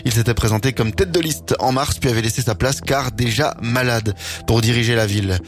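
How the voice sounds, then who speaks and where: A man reading a local news bulletin on the radio in a steady, measured way. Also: medium pitch. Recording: radio broadcast with faint music.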